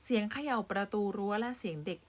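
A woman's voice: mid-range voice, quick pace. A woman teaching young primary pupils, reading a story aloud and stopping to explain words patiently. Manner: patient, addresses pupils directly with polite particles. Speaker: primary school Thai teacher.

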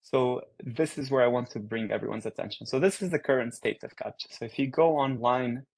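A young man from Portugal gives a research talk over a video call. His voice sits at a middle pitch. He talks in an easygoing, upbeat way, with fillers and quick restarts. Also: vocal fry, a little mellow, breathy edge. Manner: casual, upbeat presenter with frequent fillers. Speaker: guest speaker.

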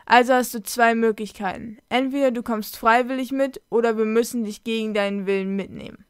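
A woman voicing a determined male white wolf in a storybook, who speaks loudly and firmly. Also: fairly high pitch, normal speed, no room sound, studio quality, close to an everyday voice. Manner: loud and firm.

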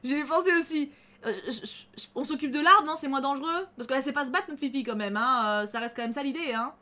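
Excitable high-voiced young French woman gamer. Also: fast talker. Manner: excitable, chatty, emotional reactions. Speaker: gaming channel host. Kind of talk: let's play commentary.

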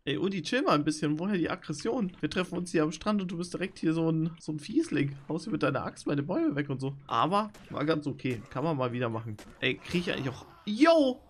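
Young man, gaming streamer, excitable, animated pitch, high-ish voice. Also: fast talker, hardly any pauses. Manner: excitable, swings between shouting and muttering. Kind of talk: live gaming commentary.

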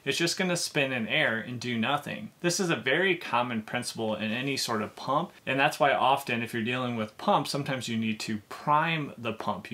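A man in his thirties walks through a home repair job step by step, in a clear and practical way. His voice is bright and forceful, sitting at an ordinary pitch for a man. He is recorded close to the camera in a basement. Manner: clear, methodical, practical explaining. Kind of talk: step-by-step how-to explanation. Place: basement with concrete walls.

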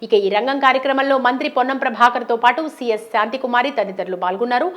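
A woman's voice: on the high side, fast talker. A woman reading a scripted news report as a voice-over narrator.

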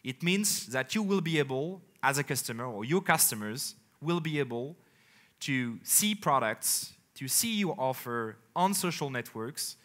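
French-accented man giving a bright keynote. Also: medium pitch. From France. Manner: energetic, gesturing, emphatic pauses between phrases. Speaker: company executive presenting on stage. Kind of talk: conference keynote presentation. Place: large indoor conference stage.

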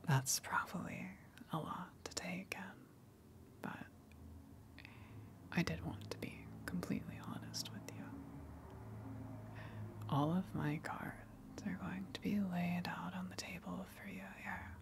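A lonely female tentacle monster from the sea, acted by a woman speaks in an intimate ASMR roleplay. The voice is a breathy whisper with a creaky edge. The delivery is very slow and halting, gentle and earnest, like a careful confession. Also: lowish voice, little pitch movement. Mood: shy, candid.

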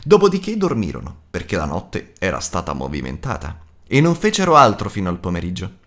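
A man reading an audiobook aloud in a dramatic, expressive narration. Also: deep voice, a little fast. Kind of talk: scripted narration.

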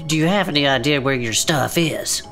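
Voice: mid-range voice, normal speed, fairly bright tone, soft background music. A player bantering casually in character during a tabletop game.

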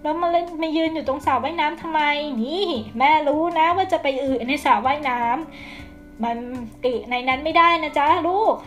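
A woman voicing a toy family's mother who scolds and coaxes her son gently. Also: high voice, normal speed, faint music behind. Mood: scolding.

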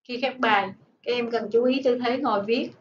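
High-voiced woman teacher dictating, echoey room. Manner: dictating, deliberate, enunciating word by word. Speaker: primary school teacher. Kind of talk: slow dictation-style lesson for children. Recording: echoey room, dull sound, faint noise.

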